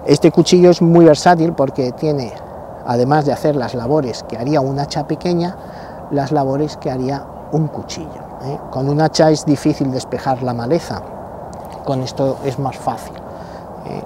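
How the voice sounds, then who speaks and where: A man in his sixties, a channel host, seated in sunny pine woods, explaining his gear to the camera in a halting way, with fillers and repeated words. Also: mid-range voice. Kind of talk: casual outdoor gear talk to camera. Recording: noisy outdoor recording.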